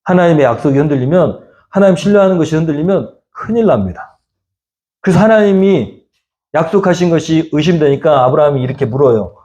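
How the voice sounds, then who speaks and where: A middle-aged man preaches a Sunday sermon to his congregation. His voice sits a touch high yet sounds mellow and relaxed, and he talks in a conversational way, often turning to his listeners with questions. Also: a little fast. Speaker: pastor.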